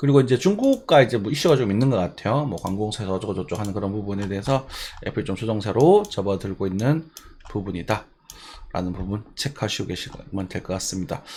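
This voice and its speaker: A man's somewhat breathy, fairly low voice at a very fast pace, with ordinary pitch variation. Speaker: market analyst. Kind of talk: market commentary. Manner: slurred articulation; hesitant, many fillers.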